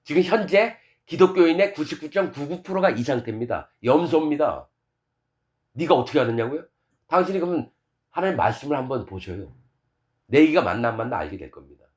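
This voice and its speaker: A middle-aged male pastor preaching a sermon emphatically, rising to loud peaks and dropping to low, quiet passages, and reading scripture slowly and solemnly. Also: animated.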